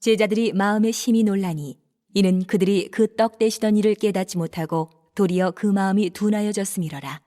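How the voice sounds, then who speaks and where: A woman narrating scripture in a steady, formal manner. Her voice sits at an ordinary middle pitch and her delivery stays even throughout. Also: a little fast.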